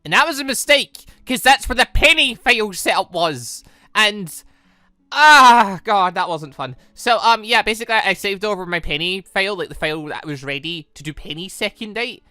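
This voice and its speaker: A man's voice: sits high, expressive, normal speed, pushed and bright, clear, resonant tone, dry recording, faint music behind. A man giving casual, rambling let's-play commentary as a gaming video host, often correcting himself mid-thought. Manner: rambling, self-correcting, informal.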